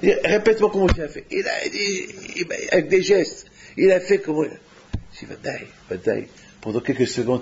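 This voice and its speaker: Animated preacher man, dull lo-fi recording. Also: slightly rough. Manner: animated, rising to high exclamations then dropping low. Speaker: rabbi. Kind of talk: sermon.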